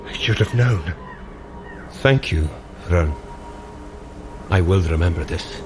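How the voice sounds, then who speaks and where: An actor playing a hearty, commanding warrior god in an audio drama, with bold, old-fashioned speech. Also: male voice, low-pitched, animated, slow, music in the background. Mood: serious. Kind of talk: dramatic audio fiction acting. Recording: noisy ambience behind.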